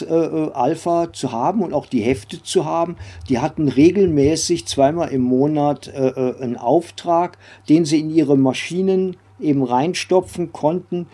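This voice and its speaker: Husky older man, mellow and halting. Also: fairly high pitch. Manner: halting, digressive, with frequent tag questions. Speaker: interview guest, former comics publisher and editor. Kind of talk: conversational interview recollection.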